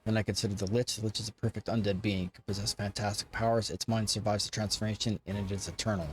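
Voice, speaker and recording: A man's voice: lowish voice, steady tone, fast talker, lightly acted. A man voicing an arrogant, lordly ancient undead lich from a fantasy game, with haughty, formal, archaic speech. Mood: proud. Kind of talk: reading game dialogue in character.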